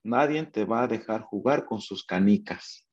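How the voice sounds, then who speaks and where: Mexican man, interview guest, lively anecdote teller who voices the people in his story, slightly muffled recording. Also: lowish voice, a little slow, husky. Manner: animated, acts out quoted dialogue, many fillers and restarts.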